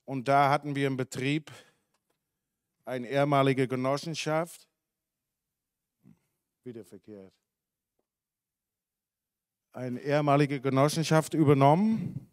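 A man in his forties from the Netherlands, a dairy farmer speaking German with a Dutch accent, giving a halting talk full of fillers and self-corrections into a handheld mic in a conference hall. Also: medium pitch, fairly even intonation, clean tone, studio quality. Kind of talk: unscripted talk at a symposium. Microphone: handheld microphone.

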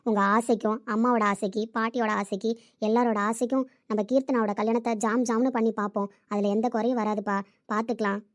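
A woman's voice: a little high, steady tone, fast talker, no echo, clean studio sound, close to an everyday voice. A young woman playing a self-sacrificing daughter who pleads with and reassures her father. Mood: pleading. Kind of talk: amateur family drama acting.

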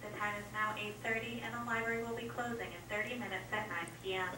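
A woman's voice comes over a public address loudspeaker, quick and formal as she reads a polite closing-time notice. The sound is distant and echoey, with clear room noise around it. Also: medium pitch, steady tone. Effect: public address loudspeaker announcement. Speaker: library staff announcer.

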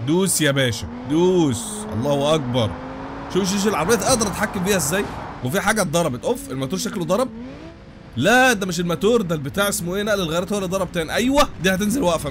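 A young man with an Egyptian Arabic accent and a cold, commenting on a car crash game with loud exclamations. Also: a little high, noisy background. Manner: animated, loud exclamations and religious interjections. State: has a cold. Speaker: gaming channel host. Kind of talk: excited let's-play commentary.

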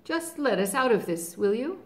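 Woman doing a regal lion leader: bold, loud, in command. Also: mid-range voice, very animated, measured pace. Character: commanding noble male lion king.

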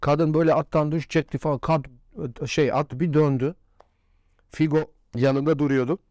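Telling casual interview stories with frequent laughs, this forties-aged ex-footballer has a voice on the high side, steady in tone, at normal speed and darkish in color. There's no room sound in the recording.

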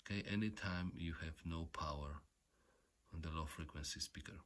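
A man who is not a native English speaker, giving an unscripted hands-on repair explanation in a halting, repetitive way, often saying okay. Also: a bass voice, a bit bright. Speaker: repair tutorial host. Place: indoors at home.

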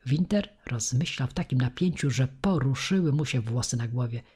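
A woman narrating an audiobook in a measured, expressive reading. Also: extremely low pitch, husky. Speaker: audiobook reader.

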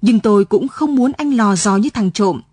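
A woman reading a stern old village mother, low and cutting. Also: animated, moderate pace, slightly rough, no room sound, clean studio sound. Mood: cold reproach. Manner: quiet but cutting.

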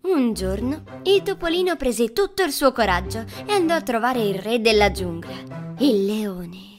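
High-voiced woman narrating a children's story. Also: sing-song, moderate pace. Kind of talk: scripted children's fairy tale narration. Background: background music.

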